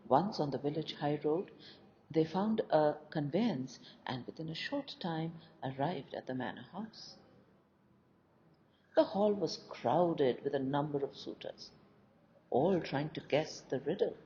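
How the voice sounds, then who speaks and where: Low-voiced woman reading a folk tale expressively. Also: warm tone. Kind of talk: scripted audio story narration. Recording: dull lo-fi recording with faint noise.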